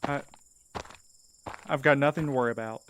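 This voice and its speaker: A man's voice: medium pitch, moderate pace, fairly bright tone, slight background noise, lightly acted. A man playing a wary, earnest and defiant underdog in an audio drama, speaking a little hesitantly. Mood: defiant, nervous. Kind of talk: audio fiction drama acting.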